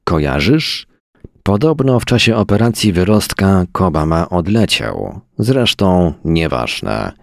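A man's voice: low voice, very animated, takes it slowly, gravelly, no echo, clean studio sound, heavily acted. A man voicing a sardonic, hard-drinking male professor who talks in mocking, long-winded turns. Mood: storytelling.

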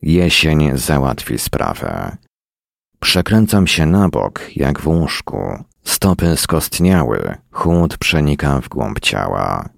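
A man reading a first-person story in a weary, deadpan manner at a close mic. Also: rumbling low, takes it slowly, creaky, dry recording. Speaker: narrator.

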